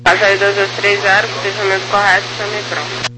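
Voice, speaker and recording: A woman's voice: medium pitch, little pitch movement, fairly quick. Crackly radio woman controller, heavy noise. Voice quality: crackly, military-style radio sound. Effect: radio transmission. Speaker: air traffic controller. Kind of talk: clipped procedural radio clearances. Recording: very noisy crackly aviation radio.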